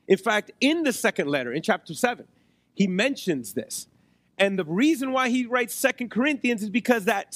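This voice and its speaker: A male preacher with a fairly high voice that sounds hoarse and worn. He delivers his sermon conversationally, putting short questions to the congregation as he goes. The sound is dry and close on the microphone. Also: a bit bright, no echo. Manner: conversational, checks in with rhetorical questions. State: hoarse, losing his voice, occasional cough.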